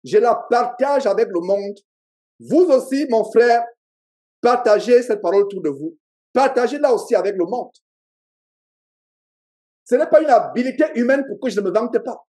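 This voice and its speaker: A man's voice: extremely high pitch, lively intonation, moderate pace, long pauses, mellow. A pastor with a Cameroonian French accent preaching a sermon to a congregation, emphatic and repeating his key phrases, with call-and-response. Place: church meeting.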